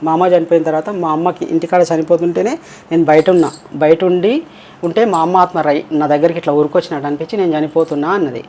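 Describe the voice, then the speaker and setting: A transgender interview guest with a Telangana Telugu accent tells long, rambling personal stories in a casual way, acting out the voices of people being quoted. The voice is mid-range, steady in tone, fast and slightly mellow. There's a little hiss or hum.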